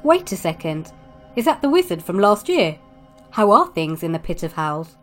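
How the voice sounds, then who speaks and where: A woman playing a dry, exasperated pantomime narrator, delivering comic scripted narration with wry deadpan. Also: fairly low pitch, normal speed, soft background music.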